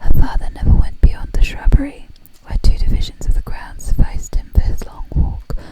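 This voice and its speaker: Someone whispers at a moderate pace. Noticeable background noise is present. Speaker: ASMR audiobook reader. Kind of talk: audiobook reading. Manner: whispered.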